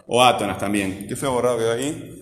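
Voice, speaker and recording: Teacher quizzing a class. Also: male voice, medium pitch, quick pace. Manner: questioning, coaxing students with repeated checks. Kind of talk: classroom grammar lesson. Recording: roomy classroom echo, faint ambient noise.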